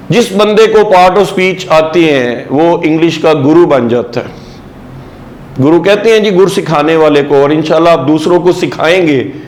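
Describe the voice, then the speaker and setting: Slow-talking male grammar teacher. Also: on the high side, darkish tone, reverberant, low-quality recording. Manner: asks questions and answers them himself; mixes English terms into Urdu-flavored Hindi. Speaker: English teacher. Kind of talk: classroom grammar lecture.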